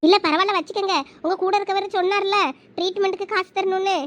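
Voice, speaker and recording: A performer voicing a determined young village woman in a very high, quick cartoon voice with a Thoothukudi Tamil accent. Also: level tone, fairly bright tone, no echo. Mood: earnest.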